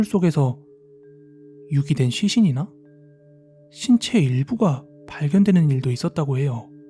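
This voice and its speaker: Music plays behind a man who speaks at a fairly slow pace with a fairly high pitch and lively intonation. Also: long, frequent pauses. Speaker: horror story radio narrator. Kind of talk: reading viewer-submitted horror stories. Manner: whispered, ASMR-like.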